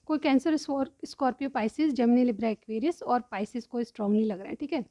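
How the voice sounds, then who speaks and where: Going through each card in turn for her viewers, a woman reads tarot at a quick pace, her voice on the high side but dark in tone. She says "theek hai" frequently and keeps clearing her sore throat, all captured in a dry recording.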